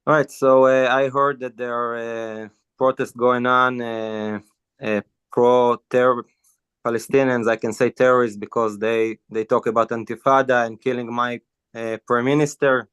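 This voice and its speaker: A man from Israel, a native Hebrew speaker, giving spontaneous testimony in halting, non-native phrasing with many hesitations. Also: medium pitch, flat delivery, fairly bright tone, smooth, no echo. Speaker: witness testifying at a court hearing. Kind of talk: spontaneous testimony, telling a story.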